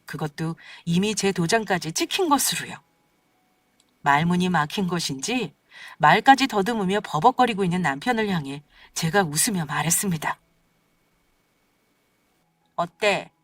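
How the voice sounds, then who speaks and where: A woman narrating a scripted story in the first person, delivering sharp, sarcastic retorts; the recording is dry and a little distant from the mic. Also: on the low side, expressive, normal speed, dry recording.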